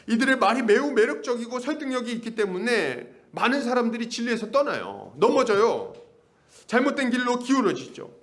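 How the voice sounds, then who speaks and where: A man preaching an expository sermon as a pastor, lively and now and then imitating others. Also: fairly high pitch. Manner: lively, mimics the people he talks about.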